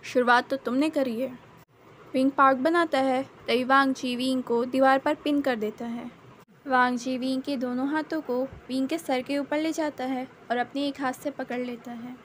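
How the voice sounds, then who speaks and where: A woman narrating her own fan fiction in steady, plain storytelling. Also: sits high, moderate pace, slight background noise.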